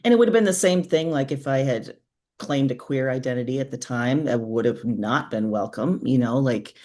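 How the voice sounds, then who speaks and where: Low-voiced woman in her forties, reflective. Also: darkish tone. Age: 40s. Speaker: guest author. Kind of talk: candid conversational interview.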